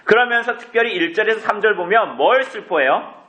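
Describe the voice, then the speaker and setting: A man's voice: high-pitched, animated, fairly quick, bright, forceful tone. A male pastor preaching an evening sermon, asking the congregation questions and answering them himself. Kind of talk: evening service sermon, Bible exposition. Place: church sanctuary. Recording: roomy church echo.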